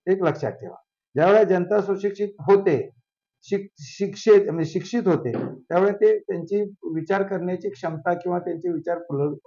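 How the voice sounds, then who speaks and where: With a high, slightly mellow voice, a social worker speaks heatedly in an interview, piling up long lists and asking rhetorical questions. It's a dull, lo-fi recording.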